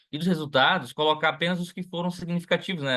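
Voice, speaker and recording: A man talks at a fairly quick pace. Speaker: research group member giving feedback. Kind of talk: academic feedback in group meeting. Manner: fast.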